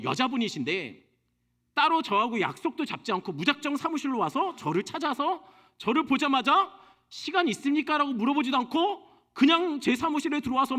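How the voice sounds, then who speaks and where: A male pastor preaching with a very high, bright voice that rises and falls with lively expression. He tells the stories vividly and keeps his listeners engaged. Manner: lively storytelling, acting out dialogues. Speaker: senior pastor. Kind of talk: sermon.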